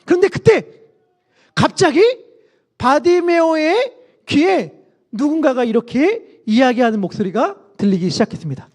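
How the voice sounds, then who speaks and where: A male pastor preaching a sermon, telling the story in an animated way and acting out its scenes. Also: very high voice, normal speed.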